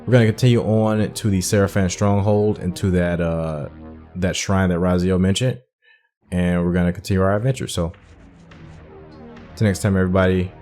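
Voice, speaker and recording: A man's voice: deep voice, flat delivery, moderate pace, a little mellow, faint music behind. A man hosting a gaming playthrough, giving informal commentary and thinking aloud as he goes. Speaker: gaming host. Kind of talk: casual game commentary.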